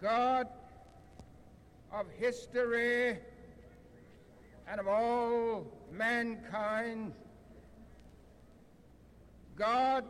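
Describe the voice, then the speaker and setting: Man, minister, very slow cadenced prayer, very high voice, long reverb. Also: a bit bright, a little hiss or hum. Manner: slow, solemn, cadenced preaching. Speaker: minister giving a benediction. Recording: long echo of an outdoor public address.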